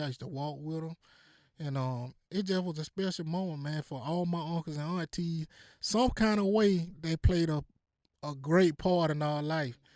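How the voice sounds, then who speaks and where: Recorded very clean with a silent background and a dry, close sound with no echo, a man in an ordinary speaking voice talks at a moderate pace and fairly high pitch with ordinary pitch variation. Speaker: podcast host. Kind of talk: podcast conversation.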